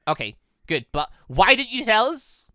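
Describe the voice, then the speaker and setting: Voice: mid-range voice, big pitch swings, moderate pace, bright, forceful tone, no echo, studio quality, voice pushed up. A performer voicing a bold young woman, a playful, teasing and direct friend in a visual novel. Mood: concerned.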